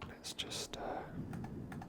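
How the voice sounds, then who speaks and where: A gaming ASMR host whispers throughout. The commentary is hushed and unhurried, thinking aloud step by step, spoken close to the microphone.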